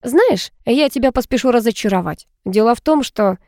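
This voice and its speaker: Sharp, sulky young student girl, read by a woman, dry close read. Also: fairly high pitch, lively intonation, moderate pace, no room sound, voice pushed up. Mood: curt. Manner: sharp, curt.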